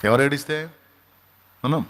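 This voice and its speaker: A man with a Telugu accent preaching a sermon as a pastor, impassioned, often rising in pitch and acting out quoted speech. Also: measured pace, fairly bright tone.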